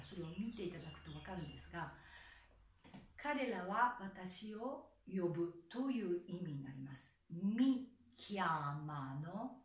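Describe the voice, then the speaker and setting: A woman's voice: on the low side, echoey room, far from the mic. A woman, a soprano, giving a pronunciation lesson and patiently sounding out syllables one by one. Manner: patient, slow demonstrative enunciation of syllables. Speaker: soprano and singing teacher.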